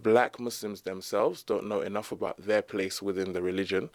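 A young man from the UK, a guest in an interview, telling his story fluently and quickly. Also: lowish voice, fairly even intonation, dry recording. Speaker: guest speaker on Islamic history. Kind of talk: conversational interview.

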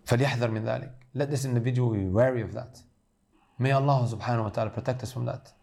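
A man delivers an earnest sermon with a dark, mellow voice. He speaks directly to his listeners as brothers and sisters, steady and sincere. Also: medium pitch, racing, vocal fry. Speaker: preacher.

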